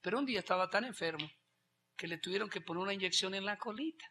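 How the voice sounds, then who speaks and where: A man pastor, preaching a sermon with animated bursts of shouting and quiet asides. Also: sits high, quick pace, a little hiss or hum.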